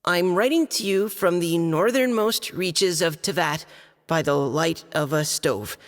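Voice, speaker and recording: A young actor playing a shy, hesitant surveyor who stammers while reading a letter aloud. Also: male voice, on the high side, a bit bright. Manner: nervous and hesitant, stammers and clears his throat. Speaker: letter reader. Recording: game audio with reverb and music.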